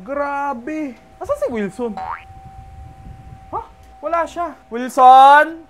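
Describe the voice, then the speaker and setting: A man's voice: very high-pitched, slow. A young man hosting a room-tour vlog, teasing and laughing as he pokes around. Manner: teasing, laughs often, excitable. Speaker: vlog host doing room tours. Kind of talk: playful casual room-tour banter.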